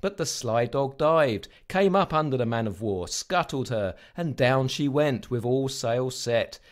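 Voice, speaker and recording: A man's voice: medium pitch, expressive, a little slow, natural voice. Man doing a blustering young sea-yarn spinner. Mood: hearty. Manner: hearty, blustering nautical storytelling.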